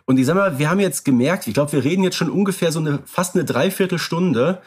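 A man's voice: fairly high pitch, quick pace, a little mellow, slightly rough. A man co-hosting a podcast in casual chat, easygoing and fond of wordplay. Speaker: podcast co-host. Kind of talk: casual chat about radio plays.

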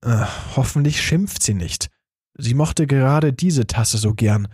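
Gentle helpless father, man reading, soothing, apologetic, unhurried, husky, dry close sound. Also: medium pitch, animated, dry recording. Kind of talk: audiobook reading.

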